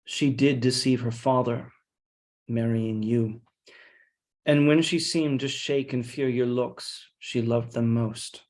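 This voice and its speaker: A man reading a scheming, deferential soldier in Shakespeare, with measured, insinuating, mock-humble delivery. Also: medium pitch, steady tone, darkish tone, close to an everyday voice. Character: scheming deferential soldier feeding his lord's suspicion. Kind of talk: Shakespeare read-along.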